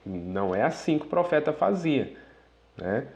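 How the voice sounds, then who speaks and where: A man preaching to his congregation at a middle pitch. He reads quoted passages aloud, then breaks in with short asides that end in a questioning tag. His delivery moves steadily from reading to commentary and back. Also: sing-song, measured pace, gravelly, a little mellow.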